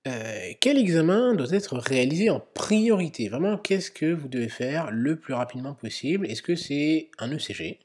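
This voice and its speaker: Man talking through a medical quiz, husky. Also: on the high side, lively intonation, normal speed, few pauses, a little mellow. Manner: explanatory, thinking aloud with many fillers. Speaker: medical educator. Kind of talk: narrated quiz lesson.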